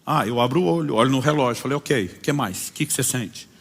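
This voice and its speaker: This man speaks fast at a medium pitch, his voice creaky with a breathy edge. He preaches as a pastor, telling stories with lively energy and acting out the characters in them, all under a long hall reverb.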